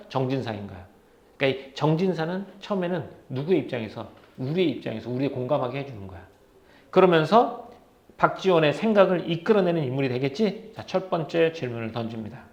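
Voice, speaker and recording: A man's voice: a little high, animated, fast talker. A male teacher giving a literature lecture, firing questions at his students and answering them himself. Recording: roomy, slightly dull lecture recording.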